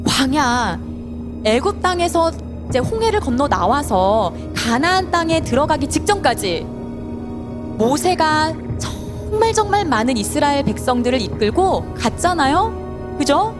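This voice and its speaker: A woman's voice: high-pitched, very animated, a little slow, over music. A Sunday school teacher, a woman, telling a Bible story to children and asking them questions as she goes. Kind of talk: children's sermon.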